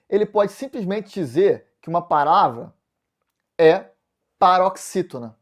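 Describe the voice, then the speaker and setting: Going through exam answers one step at a time, this Brazilian-accented Portuguese teacher poses questions and answers them himself in a video lesson. He speaks with a high-sitting, slightly mellow voice.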